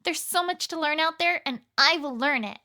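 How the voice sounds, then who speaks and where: A woman's voice: high voice, moderate pace, sharp tone. A woman voicing an eager, bookish young female student with an earnest, theatrical, determined manner in a fan fiction audio drama.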